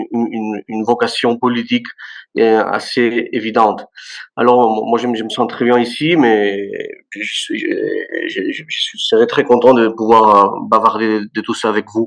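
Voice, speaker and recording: A man is speaking. He has a non-native accent. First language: Spanish or Catalan (speaking French). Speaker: political philosopher, university academic. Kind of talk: academic seminar presentation. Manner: halting, many repetitions.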